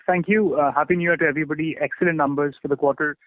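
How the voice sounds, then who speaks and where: A man asking a question on an earnings call, polite and quick with some fillers. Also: a little high, steady tone, no room sound. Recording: dry tinny phone line.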